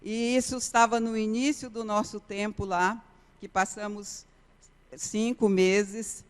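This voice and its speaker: Her delivery flat and slow, a woman preacher shares an earnest missionary testimony in a sermon, repeating her key phrases often. The clean, mid-range voice echoes through a reverberant church hall in the sanctuary.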